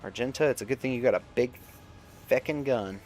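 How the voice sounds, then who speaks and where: A man's voice: medium pitch, darkish tone. Casual male game streamer with background music. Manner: informal, profane, halting. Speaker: video game livestreamer. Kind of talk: casual gameplay commentary with lore asides. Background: video game music and sound.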